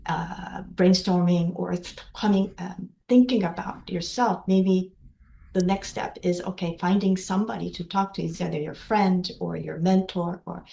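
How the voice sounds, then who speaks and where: A woman's voice: fairly low pitch, fairly even intonation, normal speed, gravelly, dark tone, echoey room, low-quality recording. A Japanese woman asking questions on a webinar call, hesitant, with many fillers and restarts. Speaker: webinar participant. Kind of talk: casual discussion in a webinar.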